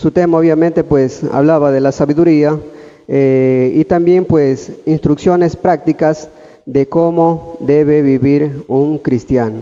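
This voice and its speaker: Keeping his loudness very even, a man with a fairly high voice speaks at a very slow pace. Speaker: lay preacher. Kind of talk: sermon. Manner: soft-spoken; hesitant with fillers.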